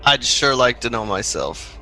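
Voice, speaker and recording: Bright-voiced, wisecracking man at a game table. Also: mid-range voice, animated, measured pace, faint music behind. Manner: wisecracking, blunt. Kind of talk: casual banter at a game table.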